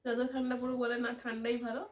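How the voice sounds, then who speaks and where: A woman's voice: on the high side, little pitch movement, very fast. A woman chatting casually to her viewers in a home vlog, talking to them like friends. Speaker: vlogger. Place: rooftop and home.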